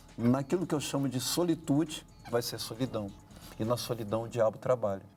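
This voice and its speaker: Over music in the background, a man speaks at a medium pitch and a moderate pace with ordinary pitch variation. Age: 50s. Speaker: pastor. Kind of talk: religious talk show conversation.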